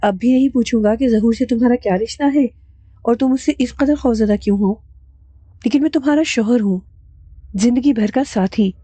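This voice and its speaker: A hot-tempered young husband presses his point firmly and insistently, as a woman storyteller gives him voice. The tone stays mellow and the recording is close and dry. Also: a little high, slightly rough, no echo. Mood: stern. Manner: firm and insistent.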